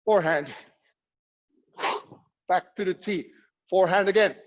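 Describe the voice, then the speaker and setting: A man's voice: high-pitched, takes it slowly. A man coaching a fitness workout, giving instructions and calling out drills in short commands with encouragement. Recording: muffled, echoey hall sound.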